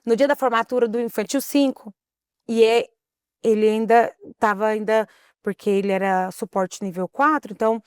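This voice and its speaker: A woman who runs a school, telling a story in animated fashion on a podcast and quoting other people as she goes. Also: fairly high pitch, moderate pace, smooth, no room sound, studio quality. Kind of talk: casual chat.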